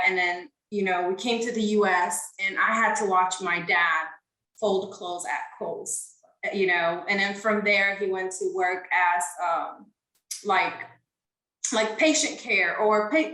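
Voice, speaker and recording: A woman's voice: mid-range voice, slow, bright, forceful tone, echoey room, rough recording. A young woman from Ethiopia, a podcast guest, answering interview questions in an earnest, casual way with frequent fillers.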